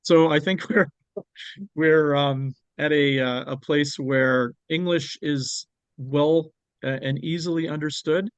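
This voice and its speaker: A man with a Canadian accent presenting on export markets, talking it through with a guest and pausing often on ums and restarts. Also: fairly high pitch, fairly even intonation, clean tone, dry recording. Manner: hesitant, with many ums and restarts.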